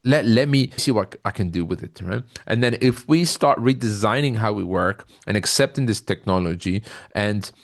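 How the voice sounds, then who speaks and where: A man with a fairly low voice talks as a guest in a conversational interview. He explains things earnestly, telling stories and making his case, and often tags his points with a quick questioning "right?". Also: lively intonation. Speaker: interview guest, tech company founder.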